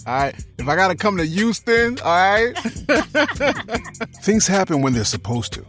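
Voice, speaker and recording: A man's voice: sits high, very animated, a little slow, fairly bright tone, faint music behind. A man hosting and producing a podcast, talking casually and playfully with slang and easy laughter, with stretches of scripted narration. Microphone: remote video call.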